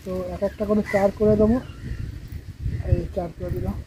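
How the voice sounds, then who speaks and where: A man narrating his own fishing trip at a rural pond, chatting casually to viewers and sometimes speaking softly. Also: high-pitched, level tone, moderate pace, heavy background noise. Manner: chatty, addresses viewers as friends, talks quietly at times. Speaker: fishing vlogger. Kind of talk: casual outdoor vlog narration.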